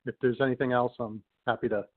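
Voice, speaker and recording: A male finance executive gives conversational answers on an earnings call. He talks quickly at an average pitch, and his voice comes through a narrow telephone line. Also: level tone. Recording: tinny phone conference line.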